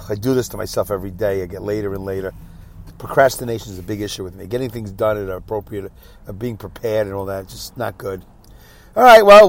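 A man's voice: on the low side, dry recording. Congested man rambling while driving. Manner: chatty, self-deprecating, talks to himself. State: congested, stuffy nose. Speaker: podcast host. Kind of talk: solo rambling podcast monologue. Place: in a car, driving in traffic.

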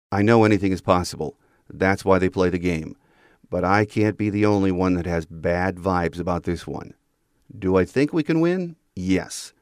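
A man's voice: deep voice, no room sound, studio quality. A middle-aged man hosting a sports podcast, reading an earnest, fan-like opinion piece in a scripted monologue. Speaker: podcast host.

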